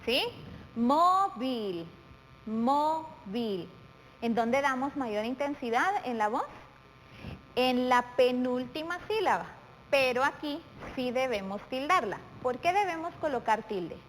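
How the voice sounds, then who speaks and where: A woman's voice: high-pitched, animated. Patient woman teaching children. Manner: patient and deliberate, drawing out words syllable by syllable. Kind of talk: televised primary-school lesson. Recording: faint reverb and light background noise.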